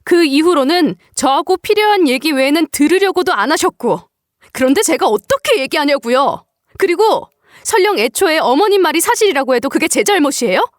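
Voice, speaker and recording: A wounded young daughter-in-law pleads and finally talks back, voiced by a woman. Her high voice moves a lot in pitch. The sound is dry and close. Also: expressive, brisk, no room sound, natural voice. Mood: defiant. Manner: pleading, tearful defiance. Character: young widowed daughter-in-law, hurt but standing up. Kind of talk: dramatized story reading.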